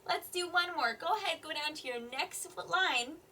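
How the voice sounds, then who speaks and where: Kindergarten teacher lady, high bright voice, drawn out sing-song words, kinda far from the mic w/ faint room hum. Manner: slow, clear, sing-song teacher talk to small children. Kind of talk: online kindergarten reading lesson. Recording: slightly distant mic with faint room ambience.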